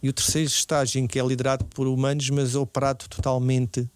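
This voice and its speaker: A man's voice: medium pitch, flat delivery, quick pace, no room sound. A man with a European Portuguese accent giving explanatory, conversational answers as a podcast guest, restating points for emphasis. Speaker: podcast guest, technology executive.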